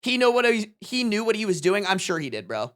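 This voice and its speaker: A streamer in their twenties hosts a casual reaction livestream, talking to the audience with slangy, emphatic language and lots of swearing. The voice is medium-pitched, very animated, a bit bright, and slightly fast.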